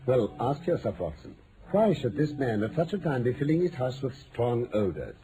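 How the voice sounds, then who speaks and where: An actor playing a confident, precise detective with a British accent, lecturing articulately in vintage radio mystery style. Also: male voice, mid-range voice, very animated, moderate pace, lightly acted. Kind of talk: 1940s-50s radio mystery acting. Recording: noisy old-time radio recording.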